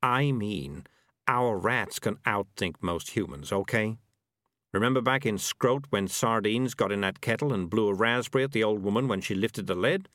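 A man's voice: lowish voice, moderate pace, fairly bright tone, no room sound, studio quality, lightly acted. A man voicing a sly, money-minded talking cat who grumbles and cajoles in a storybook reading. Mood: boastful.

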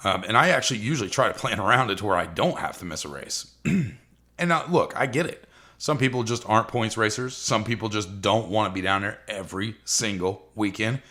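A man who races cars, hosting his own podcast in loose, rambling casual talk, his voice scratchy and rough today. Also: on the low side, fairly quick, pushed and bright. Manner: loose, rambling, frequent fillers. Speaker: podcast host and drag racer.

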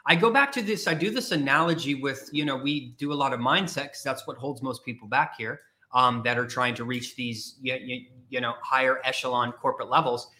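A man's voice: medium pitch, fairly quick, hardly any pauses, bright, forceful tone. A man speaking as a career coach in a blunt, emphatic motivational talk, repeating his points.

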